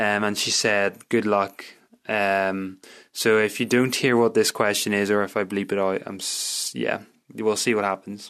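Speaking fairly slowly in a Northern Irish accent, a man keeps a fairly low, flat, monotone delivery against a quiet background. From Northern Ireland. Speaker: podcast host. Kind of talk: casual solo chat. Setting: bedroom with mic. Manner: casual, chatty, humorous.

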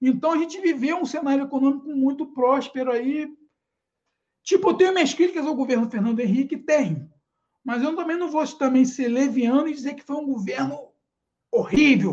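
This man's voice sits extremely high, with ordinary pitch variation. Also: moderate pace. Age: 40s. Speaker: podcast co-host. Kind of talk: casual political discussion.

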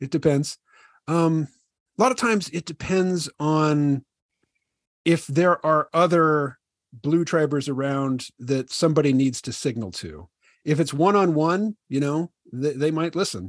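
The speaker goes at a fairly slow pace with long, frequent pauses and ordinary pitch variation. The sound is dry and close with no echo, over a quiet background. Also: man, fairly high pitch for a man. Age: 50s. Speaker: podcast host and cartoonist. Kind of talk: casual chat.

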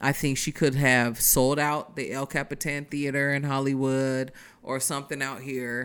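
This is a very clean recording with a silent background. The speaker is a woman with an American accent. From US West Coast (Bay Area, Fairfield). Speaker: stand-up comedian and actress. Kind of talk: casual chat.

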